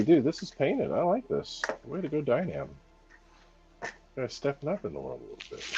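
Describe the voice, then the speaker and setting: Deep hoarse guy rambling on a live stream, lots of ums, muffled audio. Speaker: hobby channel host. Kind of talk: casual live-stream unboxing chat.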